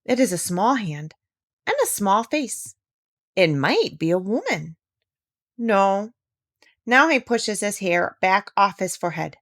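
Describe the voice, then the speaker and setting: A woman's voice: mid-range voice, big pitch swings, takes it slowly, long pauses, fairly bright tone, dry recording, studio quality, exaggerated voice. A woman voicing a proud, self-assured owl in a storybook, speaking with insistence and precision. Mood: concentrating. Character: self-assured owl, keen listener, proud of sharp ears.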